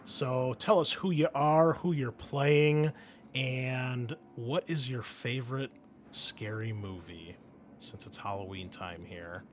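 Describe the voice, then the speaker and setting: A man's voice: medium pitch, slow. A man hosting a tabletop gaming podcast, chatting informally and enthusiastically with his players as game master. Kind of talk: casual podcast intro and chat with players. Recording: noisy home podcast recording. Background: clear background noise and ambience.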